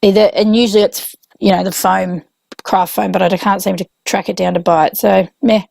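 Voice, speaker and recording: A woman with a young child, hoarse from illness, casually narrating her scrapbook process with lots of ums and self-corrections. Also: medium pitch, steady tone, a little fast, darkish tone. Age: adult with a young child. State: hoarse, voice coming and going from illness. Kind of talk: casual voice-over narration of a craft video.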